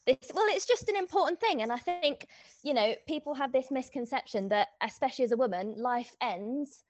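A woman's voice: high-pitched, lively intonation, brisk. A woman in her early thirties chatting casually as a guest on a podcast over a video call. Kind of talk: casual conversation.

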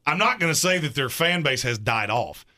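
A man's voice: mid-range voice, expressive, normal speed, sharp tone. A man in his thirties co-hosting a sports talk radio show, making emphatic, argumentative points. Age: 30s.

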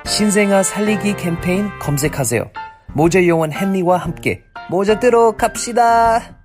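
A man's voice: high voice, unhurried. A man reading a scripted charity campaign ad as a cheerful presenter. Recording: music bed under the voice.

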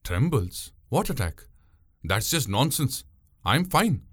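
A man's voice: mid-range voice, sing-song, takes it slowly, husky, no room sound, studio quality, heavily acted. A man voicing a boastful young warrior who talks grandly and blusters. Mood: blustering.

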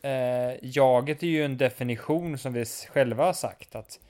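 A man talking casually and philosophically, rambling through his ideas with plenty of hesitant fillers. His voice sits at an ordinary middle pitch. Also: darkish tone. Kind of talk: casual chat.

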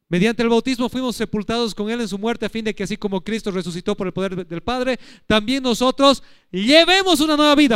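A man's voice: very high-pitched, a bit bright, smooth, no room sound, clean studio sound. A man preaching a sermon in church, teaching and asking the congregation questions. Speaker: pastor.

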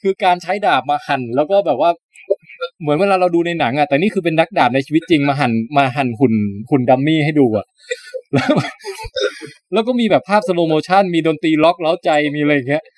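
A podcast host chatting casually, animated storytelling with crude slang. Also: male voice, a little high, fast. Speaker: podcast host reviewing shows. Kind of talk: casual chat.

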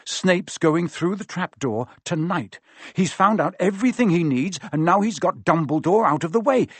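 A man's voice: high voice, lively intonation, moderate pace, breathy edge, dry recording, pitched above the performer's own voice. A man doing a frantic schoolboy wizard. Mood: urgent. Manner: urgent, frantic. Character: anxious determined schoolboy wizard.

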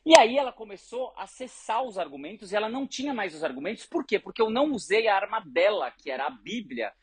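The leader of an education organization tells stories in a conversational way, earnestly and animatedly arguing her point through examples. The voice is medium-pitched and fast, with a breathy edge.

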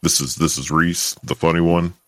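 A man's voice: fairly even intonation, moderate pace, no room sound. A man using a voice changer to play a made-up male co-host, the funny one, talking in a hesitant, rambling way. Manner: hesitant, rambling, full of "you know". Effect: voice changer making the voice deeper. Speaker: podcast co-host. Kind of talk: casual podcast banter.

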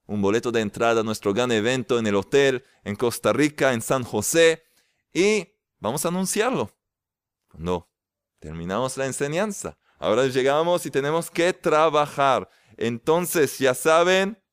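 A man giving a casual, lively spiritual lecture as a religious teacher, drawing out stressed words. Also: mid-range voice, smooth, dry recording, clean studio sound.

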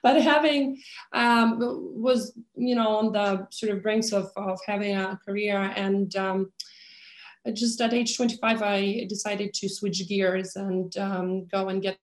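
A woman speaks in a loose, conversational way, pausing often and filling gaps with soft hesitations and laughter. Her voice sits at an ordinary pitch. The room around her sounds echoey and open. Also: steady tone. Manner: hesitant, many fillers, laughs easily. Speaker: opera conductor and pianist, interview guest. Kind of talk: casual conversational interview. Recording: roomy echo.

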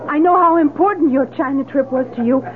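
A woman's voice: high voice, fast talker, lightly acted. An actress playing an anxious, devoted young woman in an earnest, pleading 1970s radio drama style. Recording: narrow old radio sound with noisy crowd.

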